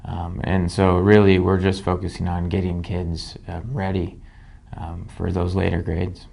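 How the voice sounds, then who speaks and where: A man with a very deep, gravelly voice speaks in a dark, mellow tone. He hesitates often and fills his pauses. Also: completely flat delivery. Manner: hesitant, many fillers. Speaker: educator. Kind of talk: interview answer.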